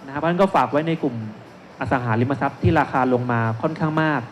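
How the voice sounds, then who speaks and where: A man's voice: fairly high pitch, fast talker, soft background music. A man in his thirties speaking as an analyst on a seminar stage into a handheld mic, explaining step by step with frequent polite particles. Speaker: securities analyst, panel speaker. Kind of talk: investment seminar presentation. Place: stage at a shopping mall expo, indoors. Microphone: handheld microphone. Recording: noisy live event sound.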